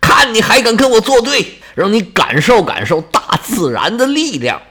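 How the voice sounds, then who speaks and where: A man's voice: sits high, very animated, moderate pace, sharp tone, breathy edge, voice pushed up, exaggerated voice. A man voicing an angry, gloating male river god who bellows orders and taunts. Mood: taunting.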